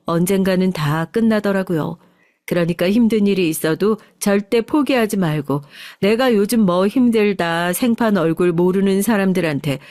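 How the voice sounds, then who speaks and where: A woman's voice: mid-range voice, darkish tone, no room sound, studio quality. Woman reading a heartfelt story. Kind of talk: first-person story reading.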